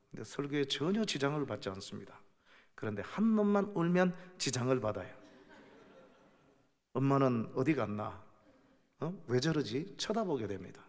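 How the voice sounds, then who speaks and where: A middle-aged man preaching a sermon, often asking the congregation questions. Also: fairly high pitch. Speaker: guest preacher, professor. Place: church sanctuary. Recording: long church reverb.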